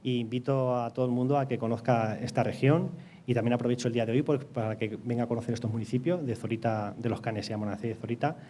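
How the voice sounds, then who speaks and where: Mellow-voiced Castilian man explaining, some background noise. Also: medium pitch, steady tone, fast. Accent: Castilian Spanish. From Castilla-La Mancha, Spain. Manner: hesitant, repeats words as he explains. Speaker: interview guest, energy company project director. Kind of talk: explanatory interview answers.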